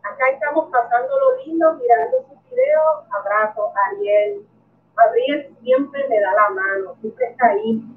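A woman's voice: on the high side, expressive, a little slow. A woman hosting her first live stream, chatting emotionally with viewers and greeting them by name. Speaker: coin collecting channel host. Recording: tinny phone-like audio from a distance.

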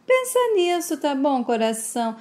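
A woman's voice: sits high, very animated, moderate pace, a little mellow. A woman retelling a soap opera scene, quoting a coaxing, scheming man in her own voice. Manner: coaxing, wheedling. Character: smooth-talking scheming man, flirtatious and pushy.

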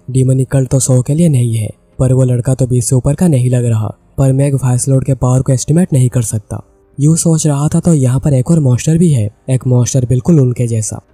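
A man with an Indian accent narrating a comic story recap, voicing the characters' lines in his own steady voice. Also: mid-range voice, breathy edge, no echo. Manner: steady retelling, reads characters' lines in the same voice. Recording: dry close recording with soft background music.

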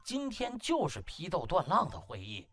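A man's voice: high-pitched, wildly swooping pitch, moderate pace, a bit bright. A man narrating a comic novel as an audiobook in a theatrical, dramatic storytelling manner.

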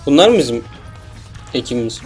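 A man's voice: medium pitch, big pitch swings, fairly quick, soft background music. A young man casually commentating a video game, joking, swearing and talking back to the enemies on screen. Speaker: gameplay commentator. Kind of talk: casual let's play commentary.

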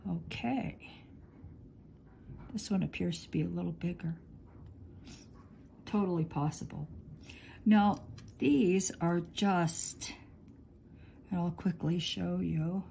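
In a relaxed studio demo, a sniffly, congested middle-aged woman teaches polymer clay, musing slowly aloud as she works with her hands. The overhead camera catches only her hands; her lowish voice is steady, creaky and warm, with a little hiss or hum.

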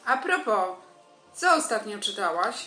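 Woman acting a bright-voiced stern army major. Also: medium pitch, measured pace. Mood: stern, deadpan. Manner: clipped, commanding, deadpan questioning. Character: stern, dry female army major interviewing a recruit. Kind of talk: radio comedy play. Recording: roomy home recording with music.

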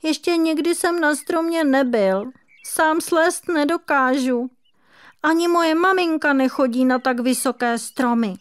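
Woman reader as a frightened little boy kitten for a kids' audiobook; high, pleading. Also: lightly acted. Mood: plaintive. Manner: plaintive, pleading, whiny. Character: timid little male kitten, lost and scared. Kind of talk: children's audiobook reading.

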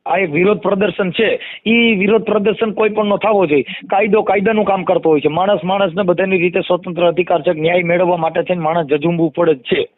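A man with a Kathiawadi Gujarati accent argues his points insistently in an animated phone discussion, explaining and repeating phrases for emphasis. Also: high voice, fast, no room sound. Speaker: community activist. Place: phone call. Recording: muffled lo-fi phone call recording.

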